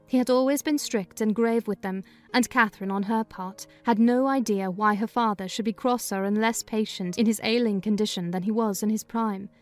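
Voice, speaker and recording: A woman narrating a dramatized audiobook reading in a measured storytelling manner. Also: mid-range voice.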